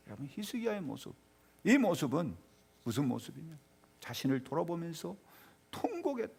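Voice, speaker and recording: Guy preaching in church, pretty high voice, super animated, goes loud then quiet, keeps calling out to the congregation. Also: creaky, husky. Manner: animated, swinging between loud exclamations and hushed tones; addresses the congregation directly, often calling out to them. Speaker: pastor. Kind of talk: sermon. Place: church sanctuary.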